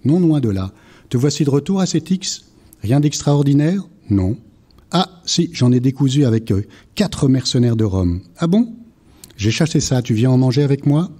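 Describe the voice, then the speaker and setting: A man's voice: mid-range voice, lively intonation, moderate pace, warm tone. A man reading a playful wordplay text aloud at a live public event, shifting between dialogue parts in a theatrical way. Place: library event before a live audience.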